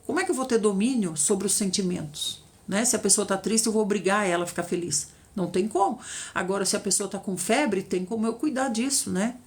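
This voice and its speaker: A woman's voice: medium pitch, fairly quick. A middle-aged woman with a Brazilian Portuguese accent leading an informal Bible study, retelling the story in a chatty way and often checking in with her listeners. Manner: chatty storytelling, tag questions, lively retelling. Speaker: Bible teacher.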